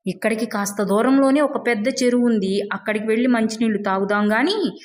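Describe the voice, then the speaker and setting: A woman's voice: a little high, brisk, lightly acted. A woman voicing an affectionate, watchful mother elephant in a children's story, with a motherly manner. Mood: touched, approving.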